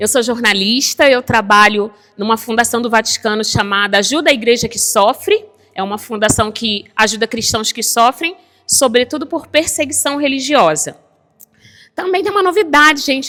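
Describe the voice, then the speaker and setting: Over music in the background, a woman with a strong Carioca accent speaks in an animated tone at a moderate pace, her pitch swinging very widely. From Rio de Janeiro, Brazil. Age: 40s. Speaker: lay preacher. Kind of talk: sermon.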